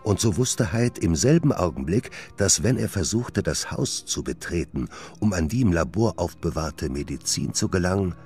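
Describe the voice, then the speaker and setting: An actor playing a haunted, guilt-ridden gentleman doctor in a German radio play, brooding and deliberate in his confession. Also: low-pitched, expressive, soft background music.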